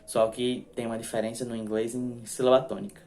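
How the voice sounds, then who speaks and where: A man's voice: mid-range voice, level tone, darkish tone. A man with a Brazilian accent, a native Portuguese speaker teaching English words and tagging his explanations with "ok?". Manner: explains slowly, drops tag questions (ok?, né?) after each point. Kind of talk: recorded online lesson.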